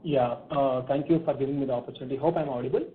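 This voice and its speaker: A man's voice: mid-range voice, steady tone, fast. A man asking questions on an earnings call, his voice muffled as if the phone is held away from his mouth, hesitant and full of fillers. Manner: hesitant, with many fillers and restarts. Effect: muffled phone line, as if the phone is held away from the mouth. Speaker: analyst caller on an earnings call. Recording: tinny, muffled phone line.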